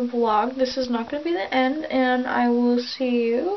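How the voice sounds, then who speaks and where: Over light background noise, a woman talks at a fairly slow pace. Her pitch is high. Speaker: vlogger. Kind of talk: casual vlog chat. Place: home room. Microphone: phone near.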